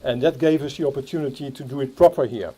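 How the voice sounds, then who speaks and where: Dutch-accented man with a mellow voice. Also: mid-range voice, breathy edge. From Netherlands. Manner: halting, many fillers and restarts. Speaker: Rotary club speaker. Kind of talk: outdoor opening speech. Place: outdoor playground.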